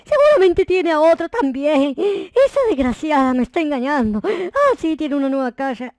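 A man voicing an excitable, mischievous, foul-mouthed young Minecraft noob, exclaiming and muttering to himself as he plays. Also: extremely high pitch, normal speed, dry recording, studio quality, exaggerated voice. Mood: suspicious, indignant. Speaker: gaming video host. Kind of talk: roleplay gameplay commentary.

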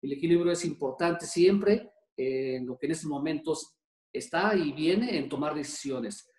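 A man's voice: on the high side, normal speed, darkish tone. Hesitant man, echoey room. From Mexico. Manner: hesitant, many fillers. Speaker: government official presenting. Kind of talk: formal presentation.

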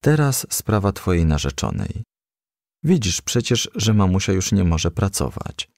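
A man's voice: deep voice, very animated, measured pace, creaky, darkish tone, no echo, clean studio sound, exaggerated voice. A man voicing a practical female firefly who coaxes and admonishes in a storybook. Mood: coaxing. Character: female firefly confidante, coaxing, practical, firm.

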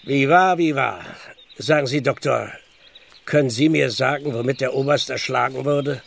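An actor playing a weary, plain-spoken older village constable in a radio play, grumbling in a gravelly voice. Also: male voice, mid-range voice, normal speed. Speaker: actor in audio drama. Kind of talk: German radio play acting.

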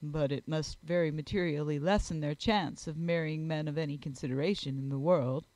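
A proud and reserved gentleman of a period storybook, acted by a woman reader. He speaks low, with clipped, cool, measured phrasing, in a dry, close recording. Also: no echo, lightly acted.

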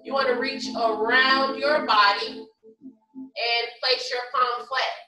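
Heard from across a large, echoey room, a woman guides a yoga class. Her voice is bright and sits a little high. She gives short, measured instructions, one step at a time. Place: large empty carpeted office room, indoors. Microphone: far camera across the room. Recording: echoey room, distant microphone, faint music.

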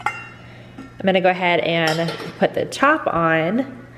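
A woman's voice: on the low side, expressive, takes it slowly, fairly bright tone, long reverb tail, faint music behind. A middle-aged woman chatting casually as she walks through a cooking demonstration step by step in her home kitchen. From Texas. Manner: chatty step-by-step explaining, frequent "go ahead". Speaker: cooking vlogger. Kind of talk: casual cook-along demonstration.

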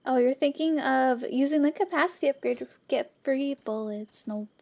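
High-voiced woman streaming a game. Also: moderate pace, gravelly, darkish tone, no echo. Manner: playful, chatty, talks to viewers. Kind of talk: casual live gameplay commentary.

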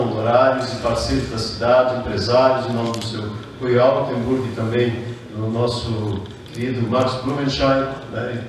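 A man's voice: medium pitch, far from the mic, slight background noise. A middle-aged man from southern Brazil, a mayor raised speaking German, giving a formal ceremony speech at a podium, earnest, greeting guests one by one with small fillers. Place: large reverberant hall, indoors. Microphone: podium microphone heard from a distance. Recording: echoey hall, voice from afar.

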